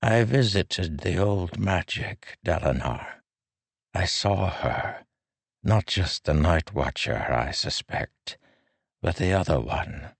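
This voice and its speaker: A man voicing a frail, weary old king who speaks with a soft, drawn-out, sorrowful delivery. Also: low voice, expressive, vocal fry, no echo, voice pushed up, heavily acted. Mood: melancholy. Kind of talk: audiobook character voice.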